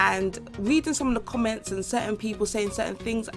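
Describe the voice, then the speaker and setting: A woman's fairly high voice with ordinary pitch variation, music playing behind it. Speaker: mental health vlogger. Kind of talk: casual talk to camera. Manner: stuttering, halting.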